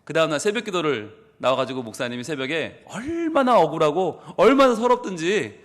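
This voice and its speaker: Gyeongsang-accented male pastor, high voice that swings widely, storytelling sermon in a reverberant church hall. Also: a little fast. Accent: Busan Gyeongsang. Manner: animated storytelling, acts out the people in his story. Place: church sanctuary.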